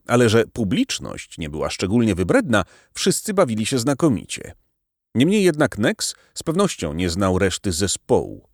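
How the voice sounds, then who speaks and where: A man reading a novel aloud as audiobook narrator, dramatic and expressive. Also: lowish voice, no room sound, clean studio sound. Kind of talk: scripted narration.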